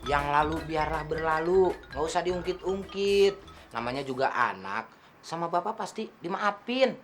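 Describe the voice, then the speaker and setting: A man's voice: on the high side, lively intonation, moderate pace, faint music behind, natural voice. A man playing a bossy fake rich man. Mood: boastful. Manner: showy, bossy, teasing. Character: man pretending to be rich, bossy to his driver. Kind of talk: sitcom acting.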